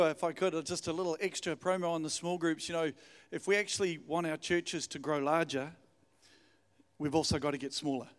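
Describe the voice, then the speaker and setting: Male preacher, middle-aged, New with influence. High-set voice, exhortatory, repetitive emphasis, long hall reverb. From New Zealand. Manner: informal, exhortatory, repeats phrases for emphasis. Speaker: guest pastor. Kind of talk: sermon to a congregation. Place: church hall, speaking to congregation.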